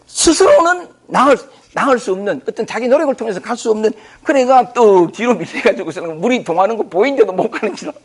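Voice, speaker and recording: Gravelly-voiced man giving a dharma talk. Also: high voice, expressive, fast talker. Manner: conversational, loose and repetitive, thinking aloud with many fillers. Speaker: spiritual teacher lecturing on scripture. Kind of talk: informal dharma talk to a group.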